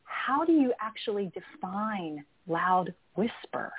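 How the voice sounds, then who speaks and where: A woman's voice: medium pitch, animated, slow, breathy edge. A woman hosting a radio interview show, asking her guest questions in an appreciative way. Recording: phone-line audio.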